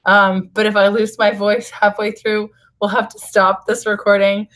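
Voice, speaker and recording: Woman, hoarse and raspy, medium pitch, fairly flat intonation, informal livestream host, chatty direct address. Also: normal speed. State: hoarse, recovering from voice loss. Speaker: nutrition author hosting a livestream. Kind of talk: casual live vlog chat to viewers. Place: hotel room.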